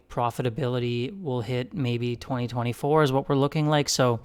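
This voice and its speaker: A man's voice: medium pitch, clean tone. A man hosting an investing video, talking through financial figures in a casual, conversational way and thinking aloud. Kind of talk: casual financial analysis commentary.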